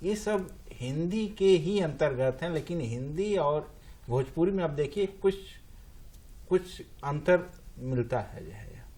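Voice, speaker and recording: Pausing long and often, a man with a Bihari accent speaks in a dark, mellow tone with lively intonation. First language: Bhojpuri (speaking Hindi). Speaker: Hindi scholar, panelist. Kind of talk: panel discussion. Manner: halting, many fillers.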